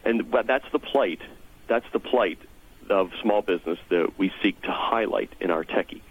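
A technology trade association representative, appearing as a guest on a radio interview, lays out policy points through a thin phone line. He speaks at a moderate pace in a slightly rough voice on the low side.

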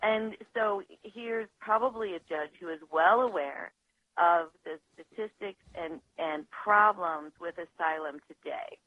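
A woman lawyer, a guest on a radio show, talking over the phone in a measured, analytical way with some hesitations. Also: lowish voice, dry recording. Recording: dull phone line, dry.

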